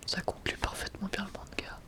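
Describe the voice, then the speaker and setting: Whispering young man, ASMR. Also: fairly quick. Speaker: ASMR video creator presenting a manga collection.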